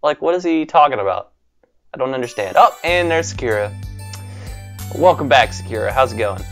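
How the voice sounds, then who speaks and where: A young gaming host reads the story aloud in a casual, self-conscious way, often breaking off into laughter. His pitch swings freely and sits mid-range. Soft game music plays underneath. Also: fairly quick. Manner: giggly, self-conscious and animated. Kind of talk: casual let's-play commentary and reading aloud. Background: faint game music.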